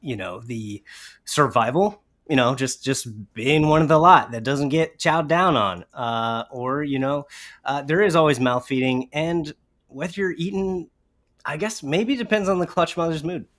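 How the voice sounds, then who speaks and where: A man chatting casually as a show guest, explaining things in a halting, informal way. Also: fairly high pitch, a bit bright. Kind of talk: casual chat.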